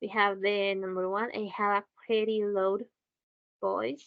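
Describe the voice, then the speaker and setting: Slow, patient woman teaching English. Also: medium pitch, level tone, vocal fry, no echo, lo-fi sound. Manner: patient, slow, corrects and repeats words. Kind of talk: online English lesson.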